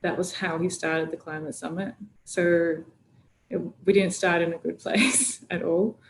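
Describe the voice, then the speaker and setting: Low-voiced woman activist on a video call. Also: measured pace, a little hiss or hum, poor audio. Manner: relaxed, chatty storytelling with frequent fillers. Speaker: climate activist guest. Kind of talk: casual video-call interview.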